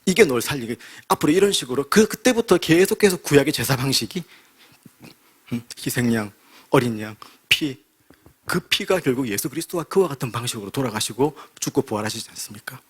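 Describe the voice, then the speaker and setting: Husky-voiced pastor preaching dramatically. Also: male voice, medium pitch, lively intonation, a little fast. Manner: dramatic storytelling, rhetorical questions, swings between loud and hushed. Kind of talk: sermon. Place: church sanctuary.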